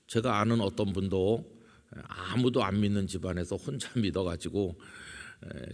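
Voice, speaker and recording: Pastor with a low voice in a reverberant church. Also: male voice, darkish tone. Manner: conversational, asks the congregation questions; reads scripture slowly. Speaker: senior pastor. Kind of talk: early-morning prayer sermon. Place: church sanctuary.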